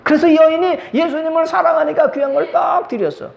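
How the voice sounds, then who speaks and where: Male pastor, middle-aged, high-pitched lively preaching voice, call-and-response sermon in an echoey church hall. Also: fairly quick, vocal fry. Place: church sanctuary.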